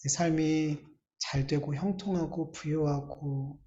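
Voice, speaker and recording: A male pastor preaching a sermon in a church, emphatic, with drawn-out pauses and rising bursts. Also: on the high side, steady tone, warm tone. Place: church sanctuary. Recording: echoey church hall, slightly dull sound.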